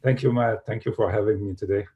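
A man's voice: on the low side, fairly even intonation, fast, lo-fi sound. A man from Lebanon, a guest answering interview questions with frequent hesitant fillers.

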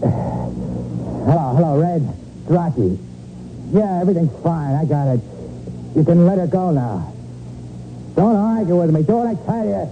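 An actor playing a defiant, tough American gangster in a 1940s radio crime drama, talking in hard-boiled slang. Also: male voice, fairly high pitch, expressive, measured pace, long pauses, phone-quality sound, a little hiss or hum. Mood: tense, urgent. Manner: slangy tough-guy talk. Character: cornered, defiant tough male gangster and killer. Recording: band-limited old 1940s radio recording, music behind.

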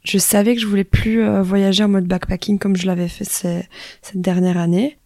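A woman's voice: medium pitch, level tone, normal speed, warm tone, no room sound. Young woman, close dry sound. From Wallonia, Belgium. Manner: informal, conversational, unscripted. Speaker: podcast host. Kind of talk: spontaneous solo podcast talk.

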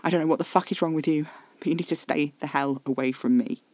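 A man's voice: fairly high pitch, fast, a little mellow, no echo, lightly acted. A man voicing a scornful, disbelieving young man in a storybook, blunt and defiant.

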